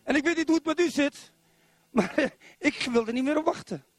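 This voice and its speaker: A middle-aged man from Zwolle preaching a sermon in church, animated and constantly putting questions to the congregation. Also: very high voice, moderate pace, no room sound, soft background music. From Netherlands, Zwolle.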